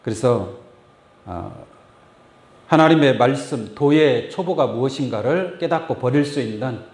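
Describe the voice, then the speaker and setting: Male pastor, sermon delivery, questions to the flock, lively pitch, roomy church sound. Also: a little slow. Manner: asks the congregation many questions. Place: church sanctuary. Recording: echoey church room. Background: congregation saying amen.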